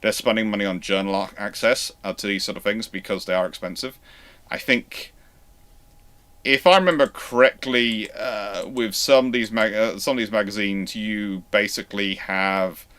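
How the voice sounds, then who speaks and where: Guy doing a live q&a, lowish but sharp bright voice, rambles and keeps restarting his sentences. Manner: halting, rambling, often repeats and restarts phrases. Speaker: host of a naval history livestream. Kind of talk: unscripted livestream Q&A, answering viewer questions.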